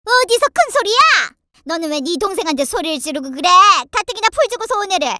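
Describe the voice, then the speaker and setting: Woman doing naggy older mother-in-law, haughty n scolding, swoopy high voice, family drama story. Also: sing-song, noisy background. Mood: indignant, scolding. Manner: scolding, haughty, rapid complaints.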